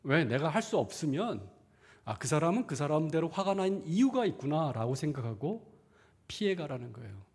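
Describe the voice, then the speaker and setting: Middle-aged male pastor, conversational sermon, fairly high voice, asks rhetorical questions. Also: very animated, normal speed, a little mellow, husky. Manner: acts out inner thoughts in quoted asides. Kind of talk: sermon seminar. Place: church sanctuary.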